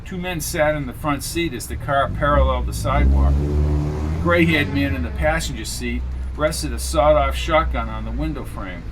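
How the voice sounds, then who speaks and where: A man reading thriller narration in a steady, measured way. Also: medium pitch, background noise. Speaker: audiobook narrator.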